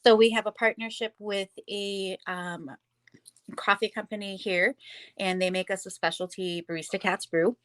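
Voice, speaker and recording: A woman with a Wisconsin accent who talks in a plainspoken, matter-of-fact way and slips in dry little jokes. Her voice sits at an ordinary middle pitch. It is recorded close and dry, with no room sound. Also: steady tone, normal speed, a bit bright, no room sound. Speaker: cat cafe owner. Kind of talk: casual interview answers.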